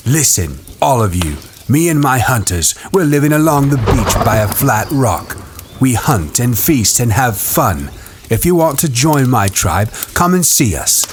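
A man's voice: medium pitch, very animated, a little slow, background noise, pitched above the performer's own voice. A man voicing a boastful, domineering boy who acts as chief and speaks with a commanding swagger.

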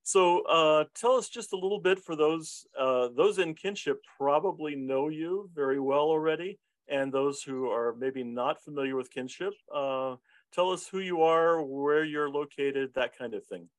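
A man's voice: a little high, unhurried, no room sound, low-quality recording. A man hosting an interview, asking questions and giving frequent affirmations. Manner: affirming, with repeated backchannels. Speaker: podcast host and interviewer. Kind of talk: friendly interview chat.

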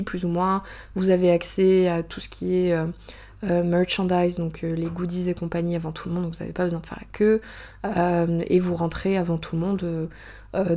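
A woman's voice: lowish voice, darkish tone. Chatty young French woman telling a story. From France. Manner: chatty, many hesitations and fillers, quick asides. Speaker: author telling a personal story. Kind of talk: casual storytelling monologue.

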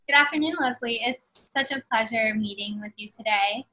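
A woman in her twenties from New York City, born in Bangladesh, answering interview questions politely and earnestly, often softening her points as she explains. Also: fairly high pitch, normal speed, low-quality recording. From born in Bangladesh, raised in New York City. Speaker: medical student guest.

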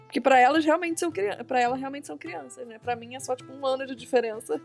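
High-voiced young woman, laughing storyteller. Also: fast, gravelly, faint music behind. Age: young adult. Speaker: podcast co-host discussing a book. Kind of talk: casual chat.

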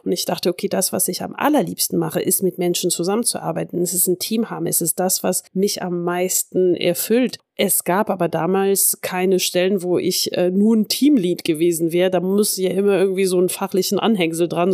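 A woman's voice: medium pitch, gravelly, mellow, no room sound, clean studio sound. A woman in her forties from France, hosting her own podcast in a chatty, self-deprecating personal monologue with frequent fillers. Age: 40s. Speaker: podcast host.

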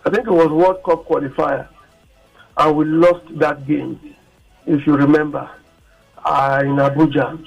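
A man's voice: on the high side, fairly even intonation, measured pace, vocal fry, long pauses, soft background music. A man calling in to a radio show, his voice coming through an echoing phone line with feedback as he tells a rambling story. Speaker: radio call-in listener. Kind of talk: casual storytelling over the phone.

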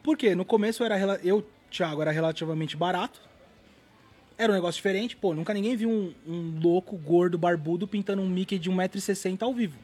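A man, an artist guest telling stories in an animated, slangy way and swearing freely. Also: high voice, fast, breathy edge. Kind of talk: casual storytelling interview.

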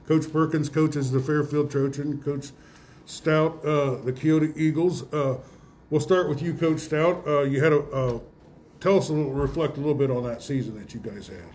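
Male host for casual sports awards chat; folksy, stumbling delivery, slightly high pitch, light noise behind. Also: steady tone, darkish tone. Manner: halting, folksy, repeats himself. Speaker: radio host interviewing award winners.

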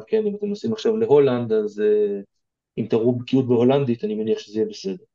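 A man's voice: medium pitch, mellow, muffled recording. A man with an Israeli accent giving informal, direct advice as an interview guest, explaining things conversationally.

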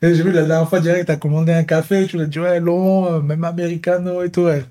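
Laid-back host with a higher voice. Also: male voice, flat delivery, quick pace, dark tone. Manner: laughs often, easygoing. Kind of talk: casual studio chat.

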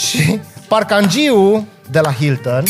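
A man's voice: high voice, faint music behind. A man, chatting casually and telling stories with acted-out exchanges. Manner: animated storyteller, acts out quoted exchanges with laughs. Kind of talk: casual chat, storytelling.

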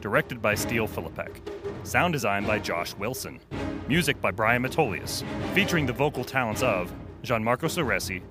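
A man's voice: on the low side, lively intonation, moderate pace. A man reading scripted radio drama credits as an announcer. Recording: loud theme music behind.

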